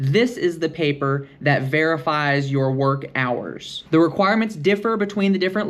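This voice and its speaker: A man talks at a moderate pace with a fairly high pitch. His pitch varies in an ordinary way. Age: 20s. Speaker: electrician and business owner. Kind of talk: tutorial.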